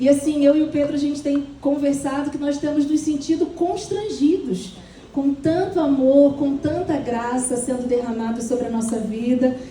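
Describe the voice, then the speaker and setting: A woman speaks at a high pitch and a moderate pace in a strong Rio de Janeiro accent. Her pitch varies in an ordinary way, and the room echo is audible. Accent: Rio de Janeiro (carioca) accent, strong. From Brazil, Petrópolis, Rio de Janeiro state. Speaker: pastor. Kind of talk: sermon. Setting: church conference with audience.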